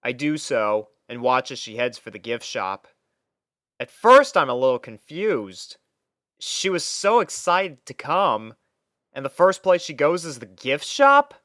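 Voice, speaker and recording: Guy narrating a first person story, clean smooth voice, dry recording. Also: medium pitch, sing-song, a little slow, a bit bright, no echo.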